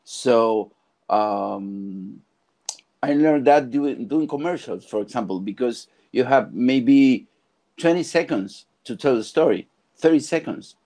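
A middle-aged man from Argentina speaks slowly and deliberately, his voice soft and dark in tone. He pauses and restarts as he searches for words, talking through earphones on a video call from a home studio. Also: mid-range voice, animated. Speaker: film composer guest. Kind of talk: casual video call interview. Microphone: earphone mic on video call.

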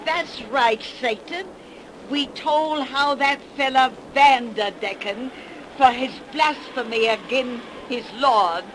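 An actress playing a folksy hundred-year-old witch who tells spooky yarns in a cracked voice on an old radio show. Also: fairly high pitch. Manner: rustic, folksy dialect, slow spinning of yarns. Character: ancient cackling witch crone, 103 years old, folksy storyteller. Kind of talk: 1930s radio horror acting. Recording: noisy 1930s radio broadcast.

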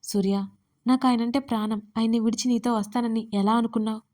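A woman's voice: fairly high pitch, fairly even intonation, fairly quick, warm tone, close to an everyday voice. A woman voicing a frightened but loyal young wife in an audio story, sounding tearful and defiant.

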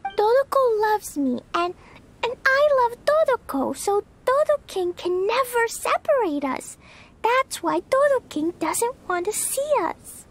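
A woman's voice: extremely high pitch, full character voice. A woman voicing an innocent, earnest little girl in a video game, with a cutesy childlike voice and naive manner. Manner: naive, speaks of herself by name.

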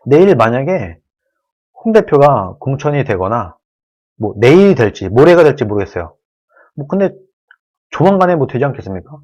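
A man's voice: medium pitch, very animated, moderate pace, pauses often, darkish tone, highs cut off. A man hosting his own channel, giving an earnest solo political commentary, pleading and restating each point.

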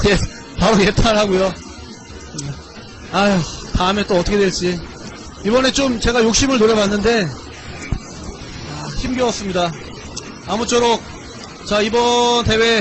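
A man giving excitable, exclamatory commentary on a fighting-game tournament, mixing announcer calls with casual chat. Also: very high voice, rough recording. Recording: loud background noise.

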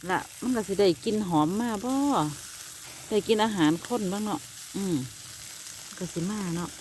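A woman's voice: mid-range voice, normal speed, darkish tone, a little hiss or hum. A woman with an Isan Thai accent chatting casually to her viewers while grilling outdoors, rambling along and often calling them brothers and sisters. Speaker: vlogger. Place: backyard outdoors by a charcoal grill.

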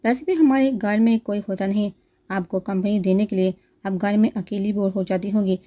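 A woman's voice: mid-range voice, fairly even intonation, mellow, lightly acted. A woman voicing a polite, considerate young husband in a storybook reading. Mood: caring.

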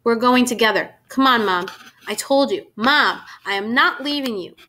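A woman's voice: on the high side, normal speed, sharp tone. A woman voicing a frantic, stubborn boy. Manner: frantic, insistent. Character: Percy, a scared, stubborn boy of twelve.

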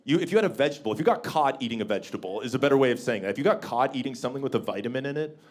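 A deep-voiced man in his thirties, from Canada, works a small comedy club stage through a handheld microphone. His delivery is wry and self-mocking, and he swings now and then into bursts of mock bluster. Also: expressive, rapid-fire, a little mellow. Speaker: stand-up comedian. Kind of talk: stand-up comedy set.

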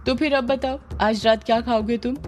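A woman's voice: fairly high pitch, fairly even intonation, normal speed, darkish tone, a little hiss or hum, lightly acted. A woman narrator voicing a scheming middle-aged aunt who talks in a coaxing, insistent way. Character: scheming aunt pushing her daughter.

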